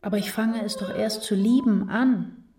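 A woman's voice: mid-range voice, normal speed, warm tone, slight background noise, close to an everyday voice. Actress doing anguished woman writer in a literary radio play, inward, intense, poetic way of talking. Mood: pleading, loving. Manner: intense, introspective, poetic delivery. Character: anguished, brooding woman writer losing her sense of self. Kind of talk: literary radio drama acting.

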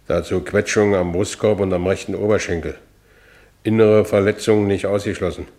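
A man's voice: sits low, steady tone, fairly quick, dark tone, lightly acted. An actor playing a battered, one-armed ex-convict who tells his own story in a radio play, wry and blunt, in German-accented speech. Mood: grim, wry. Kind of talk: first-person radio play narration.

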